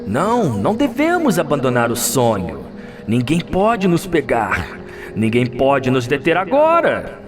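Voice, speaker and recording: A man voicing a mad scholar villain in an audio drama, theatrical, with drawn-out exclamations. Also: medium pitch, huge pitch swings, music in the background, voice pushed up. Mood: mocking, frenzied. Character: mad male scholar villain, host of a nightmare.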